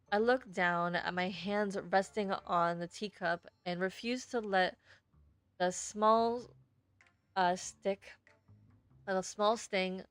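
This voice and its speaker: A woman narrates a story in the first person at a slow, careful pace. The sound is dry, and she now and then trips on a word and reads it again. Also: medium pitch, clear, resonant tone, no room sound. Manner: stumbles over words and rereads them. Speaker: streamer reading a story game aloud.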